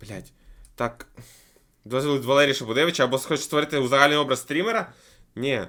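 A man with a fairly high pitch and a bright, sharp tone talks very fast, with ordinary pitch variation and long, frequent pauses. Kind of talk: casual stream banter. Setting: livestream. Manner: joking, animated.

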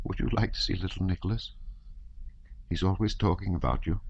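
Using a put-on character voice, a man talks in a very deep, low, shaky pitch at a fairly quick pace. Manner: emotional, tender.

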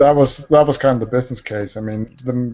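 With a Danish accent, a man talks in fairly even intonation against a quiet background. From Denmark, Copenhagen. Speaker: BI developer. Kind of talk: video call panel discussion. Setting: video call. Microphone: video call.

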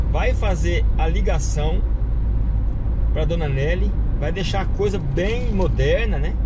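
A man talks over loud background noise. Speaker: channel host driving. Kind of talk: casual vlog chat. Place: car. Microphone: phone near.

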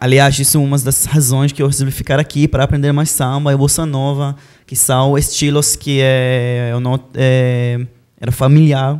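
Against a quiet background, a man speaks at a moderate pace. His pitch is fairly high and his intonation monotone and flat. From Israel. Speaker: Hebrew teacher and musician; Hebrew teacher. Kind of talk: TV interview. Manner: halting, many filler hesitations. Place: studio. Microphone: handheld.

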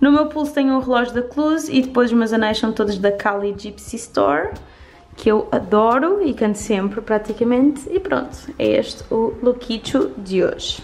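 Her high pitch and lively intonation carry along at a moderate pace as this woman speaks. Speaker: lifestyle vlogger. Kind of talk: casual vlog chat. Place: home room. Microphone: phone near.

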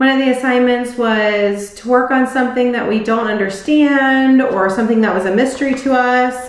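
Spoken with hardly any pauses and fairly even intonation, the voice carries audible room echo. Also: woman, high pitch for a woman, moderate pace. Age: 40s. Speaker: cross stitch YouTuber. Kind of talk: casual vlog monologue. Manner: chatty, rambling with laughs. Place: home room. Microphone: webcam.

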